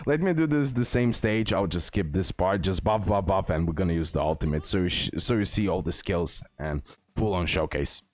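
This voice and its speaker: A man giving casual, excitable gameplay commentary, repeating words and talking straight to his viewers. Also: low-pitched, moderate pace, no room sound. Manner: excitable, repetitive, addresses viewers directly. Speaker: gaming content creator, host. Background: music.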